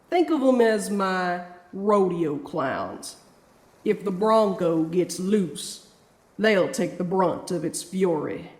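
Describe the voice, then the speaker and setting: Woman playing a slow, echoing cowboy spirit. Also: fairly low pitch. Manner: drawling, cocky, menacing. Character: folksy, scheming cowboy spirit, a mysterious drifter. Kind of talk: audio drama acting.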